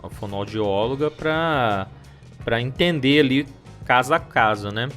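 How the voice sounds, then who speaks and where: A man's voice: medium pitch, expressive, measured pace, a bit bright, soft background music. A man with a Brazilian Portuguese accent co-hosting a podcast, chatting casually and agreeing with the guest. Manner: affable, agreeing interjections. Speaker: podcast co-host.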